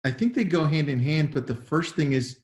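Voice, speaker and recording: A man's voice: on the high side, expressive, a little fast, a little mellow. A man hosting a casual interview who repeats words as he steers the talk. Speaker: host. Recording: roomy echo.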